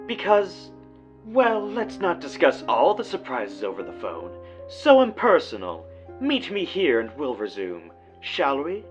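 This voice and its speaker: Deranged gentleman villain, florid and mock-polite, wildly swinging pitch, dull lo-fi audio drama sound with music behind. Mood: silky menace. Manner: mockingly polite, florid, savoring phrases. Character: gloating, theatrical, deranged male villain taunting an old rival.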